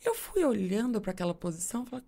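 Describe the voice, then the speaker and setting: A woman co-hosting a podcast, telling a family story with lively acted-out dialogue in casual chat. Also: medium pitch, quick pace, vocal fry. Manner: animated storyteller, acts out dialogue. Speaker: podcast co-host, mother.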